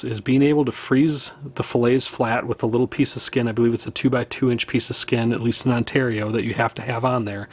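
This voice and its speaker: A man, hosting a fishing channel and talking casually to camera about trip gear, relaxed and practical, with small laughs. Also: medium pitch. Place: indoors, small room with wood-panel wall.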